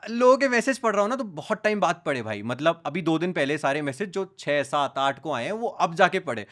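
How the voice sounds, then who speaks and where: A young man talking as a podcast guest, telling stories in a lively, casual way. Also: on the high side, fairly quick. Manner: animated, storytelling, mixes Hindi and English. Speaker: podcast guest, news content creator.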